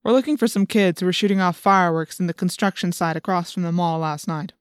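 A woman voicing an adult policeman in an audiobook, official and folksy, probing with quiet menace. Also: fairly low pitch, fast, smooth, dry recording, studio quality, lightly acted. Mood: stern, probing. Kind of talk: audiobook character voice.

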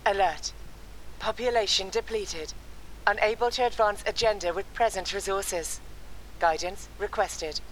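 A woman's voice: medium pitch, a little slow, close to an everyday voice. A woman voicing a cold, impersonal alien machine that broadcasts clipped, menacing alerts as a hissy transmission. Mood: cold, ominous. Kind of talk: clipped automated distress message. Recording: hissy distant radio transmission.

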